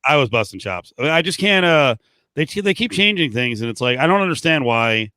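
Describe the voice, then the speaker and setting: A man's voice: fairly high pitch, big pitch swings, brisk, bright, forceful tone, clear, resonant tone, dry recording. Podcast host, a man with a dry close-mic sound who jokes in a grumbling way. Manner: exasperated, jokey grumbling. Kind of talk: casual podcast chat.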